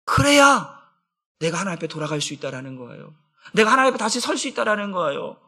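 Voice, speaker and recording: Male pastor, sermon, impassioned, rhetorical questions, very bright sharp tone. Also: high-pitched, very animated, fast. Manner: impassioned preaching with many rhetorical questions to the congregation.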